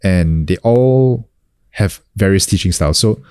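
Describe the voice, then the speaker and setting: A man in his thirties from New Zealand, a guest in a relaxed interview, talking loosely with many fillers and restarts. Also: low voice, unhurried, clean tone, no room sound. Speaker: guest, actor and coach. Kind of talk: casual sit-down interview.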